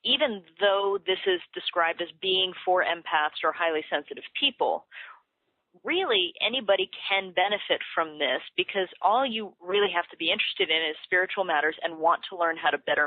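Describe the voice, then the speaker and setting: A woman's voice: on the low side, a little fast, no echo. A woman hosting a conversational webinar over a call line. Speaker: host. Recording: band-limited phone call audio.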